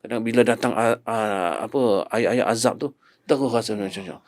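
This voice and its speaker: A man's voice: lowish voice, normal speed, no echo, studio quality. A man with a Malaysian Malay accent, a podcast guest, earnestly recounting his faith testimony and repeating his own past prayers.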